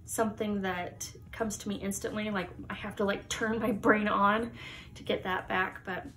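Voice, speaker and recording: A young woman from the United States chatting casually to the camera in her vlog, lively and laughing often. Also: mid-range voice, moderate pace, slight background noise. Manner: chatty, laughs often, animated hand gestures. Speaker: YouTuber. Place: Halloween-decorated room indoors.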